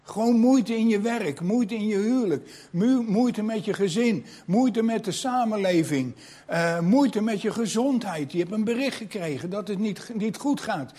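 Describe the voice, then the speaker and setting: A man gives a sermon at an unhurried pace in a fairly high voice. His tone is soft and slightly breathy, with a reflective, personal manner. He often turns to his listeners with rhetorical questions. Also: animated. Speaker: preacher.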